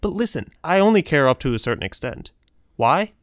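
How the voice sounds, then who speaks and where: A man's voice: fairly high pitch, big pitch swings, fairly quick, no echo, studio quality. Earnest, preachy young man. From United States. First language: Urdu. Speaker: podcast co-host. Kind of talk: faith podcast conversation.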